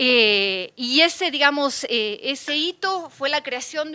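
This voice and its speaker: A woman's raised, projected voice, high in pitch, with a bright, sharp tone. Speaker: panel moderator and academic. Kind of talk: panel discussion, moderating. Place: meeting room. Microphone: podium.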